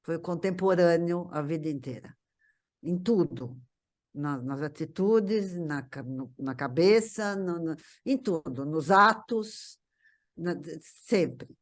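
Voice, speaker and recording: A woman with a Brazilian Portuguese accent, a guest reminiscing casually, halting and repeating words for emphasis. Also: on the low side, animated. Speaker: guest, daughter of the honoree. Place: online video call.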